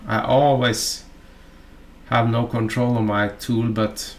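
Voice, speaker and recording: A Norwegian-accented man from Norway explains fly tying in a faltering, chatty way, with plenty of fillers and asides. He speaks at a medium pitch with a flat delivery.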